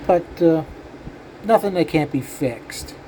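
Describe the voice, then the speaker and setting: Talking shop to camera, this older cylinder head porter rambles along in a self-deprecating way, full of filler words. His slightly high voice is warm and expressive, and he takes his time. There's a bit of background noise on a rough recording.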